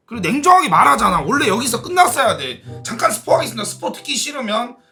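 A man live-streaming a football watch-along, blunt and excitable, yelling and swearing at the plays. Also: extremely high pitch, fast talker, vocal fry, faint music behind. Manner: excitable, shouts and yells at plays.

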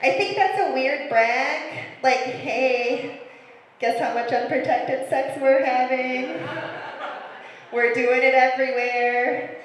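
A woman in her thirties delivers a stand-up set into a handheld mic, telling her stories in a dry, self-mocking way. Her voice sits high. The club room rings with heavy echo and a long reverb tail. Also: slow pace, a little hiss or hum. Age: 30s. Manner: deadpan, self-mocking storytelling. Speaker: stand-up comedian. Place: comedy club stage.

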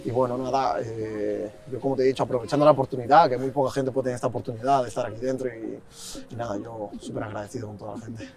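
A teenage man from Colombia answering interview questions on an outdoor park bench, hesitant and soft-spoken, often restarting his sentences. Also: mid-range voice, steady tone, quick pace, crowd noise. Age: late teens. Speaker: youth footballer guest.

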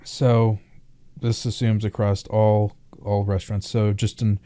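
A man tutoring informally through a worked math problem, thinking aloud in a halting way. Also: on the low side, flat delivery, warm tone.

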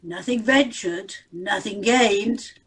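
A woman's voice: medium pitch, takes it slowly, slightly rough. A woman playing a pompous, self-important prince in a comic audio pantomime. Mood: tender, wooing.

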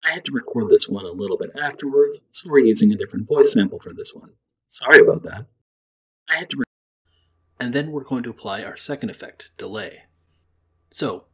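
Young man explaining software steps. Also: medium pitch, slightly rough. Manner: friendly, explanatory. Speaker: library program host. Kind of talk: software tutorial. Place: home kitchen-living room, indoors.

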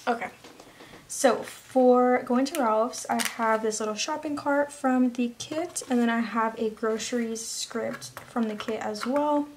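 A young woman, a planner vlogger, chatting casually as she narrates her week, now and then dropping into soft whispers. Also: fairly high pitch, measured pace. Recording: background noise.

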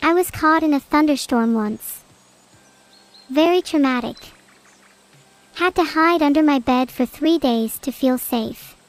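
A synthetic female AI voice, chatting casually as a stream co-host with dry, deadpan quips. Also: high-pitched, unhurried, pauses often. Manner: deadpan, matter-of-fact quips. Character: female AI vtuber, dry and teasing.

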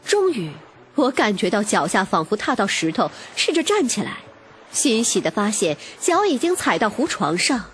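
A woman reading a romance novel as dramatic, scripted first-person narration. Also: mid-range voice. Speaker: audiobook narrator. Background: music.

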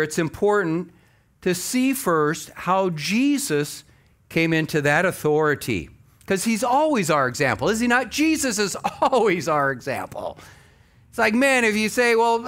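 An older American man preaches as a pastor. His voice sits a little high and swings widely in pitch. He talks conversationally and leans hard on key words. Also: a bit bright. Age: older, about 60. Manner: conversational, emphatic, acts out imagined objections. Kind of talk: sermon with scripture reading. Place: church stage at a lectern.

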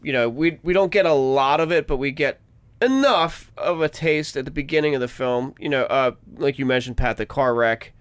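A man's voice: mid-range voice, normal speed, smooth. An American man co-hosting a podcast, chatting casually about a film and jumping in often. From United States. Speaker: podcast co-host.

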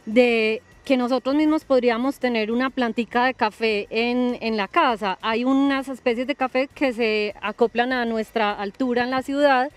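A young woman hosting a TV gardening show, talking calmly outdoors in a garden with a few fillers. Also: on the high side, moderate pace, few pauses. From Colombia. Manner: calm, explanatory, with fillers. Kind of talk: relaxed TV show conversation.

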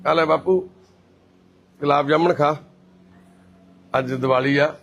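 A man from Punjab speaks with a Punjabi accent on a handheld phone as he walks through a shelter indoors, narrating live. His voice sits slightly high and turns cheerful and coaxing when he speaks to residents. He moves briskly between explaining and chatting. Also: fairly even intonation, creaky, a bit bright. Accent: Punjabi from Punjab, India. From Punjab, India. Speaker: host and caretaker at a care shelter.

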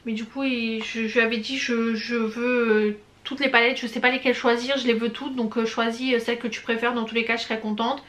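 Young female vlogger, slightly high voice, chatty and effusive, casual review tone. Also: little pitch movement, fairly quick, few pauses, a bit bright. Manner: chatty and gushing, many hesitations and slang. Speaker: beauty vlogger. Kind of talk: casual product review chat.

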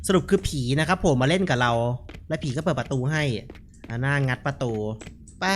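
A man's voice: fairly high pitch, a bit bright, slight background noise. A man giving casual, jokey commentary while playing a horror game. He chats freely, reads out what he finds and laughs often. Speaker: gaming streamer.

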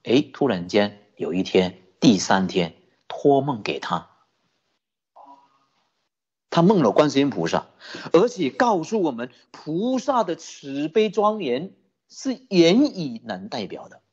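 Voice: medium pitch, sing-song, slow pace, a little mellow, breathy edge. A Buddhist teacher giving a sermon, telling a story with many rhetorical questions. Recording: dull lo-fi recording.

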